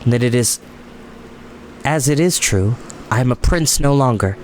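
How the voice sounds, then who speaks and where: A man's voice: medium pitch, lively intonation, unhurried, a little mellow, a little hiss or hum, voice pushed down, close to an everyday voice. A man playing an intense young prince, urgent and demanding, in a storybook tale. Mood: resigned.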